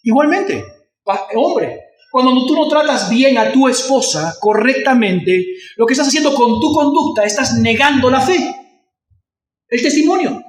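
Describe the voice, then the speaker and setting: A man's voice: very high-pitched, expressive, unhurried. A male pastor with a Venezuelan Spanish accent, preaching a sermon and asking the congregation questions. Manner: acts out shouting voices in anecdotes. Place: church. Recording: echoey church from far off.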